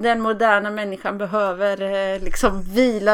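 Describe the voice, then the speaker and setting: A woman in a normal speaking voice talks at medium pitch and a moderate pace on a very clean recording with a silent background. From Sweden, Östergötland. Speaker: theologian and nurse. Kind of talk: interview. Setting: outdoors, small garden room at a cottage.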